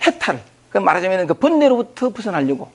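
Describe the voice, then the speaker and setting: A man's voice: sits high, big pitch swings, fast talker, vocal fry. A man, a spiritual teacher giving an informal dharma talk to a group. He speaks in a loose, conversational way, thinking aloud with repeated words and fillers. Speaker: spiritual teacher lecturing on scripture.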